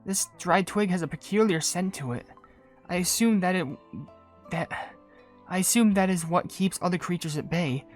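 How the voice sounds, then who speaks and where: Woman as a low-voiced, gentle cookie perfumer. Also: lightly acted. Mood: thoughtful. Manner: soft-spoken, polite, measured. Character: gentle, composed adult female cookie perfumer. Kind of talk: video game voice acting. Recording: game music behind.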